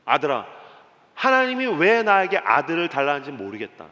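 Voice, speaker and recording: A man putting on aging father Abraham, dropping low and soft as he confides in his son. Slow, solemn and earnest, with a long reverb in the hall. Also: huge pitch swings, exaggerated voice. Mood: tender.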